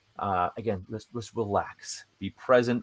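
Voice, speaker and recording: A very clean recording with a silent background captures a man's voice. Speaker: communication coach. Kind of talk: live workshop. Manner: fast.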